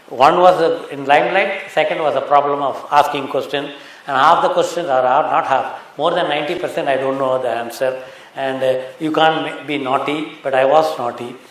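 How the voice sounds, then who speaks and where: Fairly high male voice at a moderate pace, fairly even in intonation, with audible room echo and noticeable background noise. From South India, Tamil Nadu. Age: 60s. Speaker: eye surgeon. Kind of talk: conference talk. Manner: halting.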